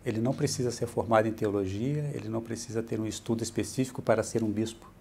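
Speaking fast in a fairly low, gravelly voice, this middle-aged church bishop with a Brazilian accent patiently explains things as a guest in an interview. He keeps a steady, explanatory tone and frequently adds "né." The setting is a bright, furnished indoor room with slight background noise.

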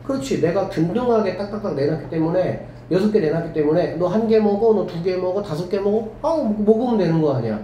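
A man teaching a math class to students, lively and often checking whether they follow. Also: high voice, quick pace, hardly any pauses, dull audio. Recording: echoey room with faint background hum.

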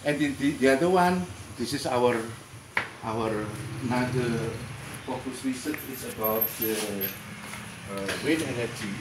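A man's voice: mid-range voice, measured pace, noisy background. An older Indonesian man with Indonesian as his first language, giving a hesitant tour of his lab projects in English, full of fillers and restarts. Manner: hesitant, many fillers and repeated words. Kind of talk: halting presentation in second-language English. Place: garden workshop, indoors and outdoors. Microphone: handheld camera close by. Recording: echoey with clear background ambience.

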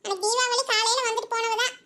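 A woman's voice: very high voice, level tone, fast talker, pushed and bright. A woman voicing chatty village women in a cartoon, fussing, gossiping and scolding. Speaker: cartoon character.

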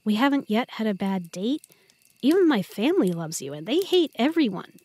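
A woman's voice: a little high, very animated, normal speed, warm tone, husky. A woman playing an affectionate, earnest young girlfriend in an intimate, chatty roleplay audio drama. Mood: tender. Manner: tender, chatty, playful.

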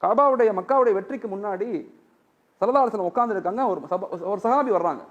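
A man's voice: high voice, fast, dull audio. A male Islamic preacher giving a sermon, telling stories and acting out the dialogue. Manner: animated storytelling, acting out dialogue.

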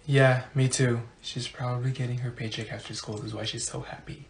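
A woman playing a grumpy, mouthy high school student in a comedy classroom skit, blunt and complaining. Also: moderate pace, natural voice. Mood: muttering, bored.

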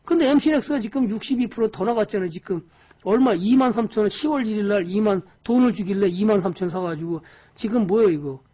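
A woman lecturing on stock investing in a lively way, firing off rhetorical questions to her audience. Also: medium pitch, a little fast, slightly rough.

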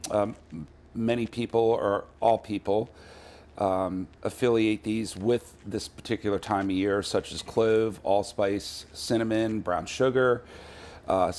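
A middle-aged man, a chef, casually talking through a recipe at a pub bar with plenty of ums and uhs. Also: lowish voice. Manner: relaxed, many ums and uhs. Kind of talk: casual cooking demo.

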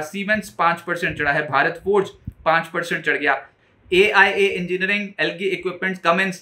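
A man in his forties with an Indian accent presenting a stock market roundup, briskly and emphatically reeling off figures. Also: high-pitched, pushed and bright. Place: studio, indoors before a branded backdrop.

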